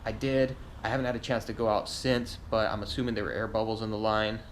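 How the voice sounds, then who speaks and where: A man's voice: lowish voice, little pitch movement, fast. A man giving a casual, slangy vlog update to his viewers. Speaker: motovlogger. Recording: faint background noise.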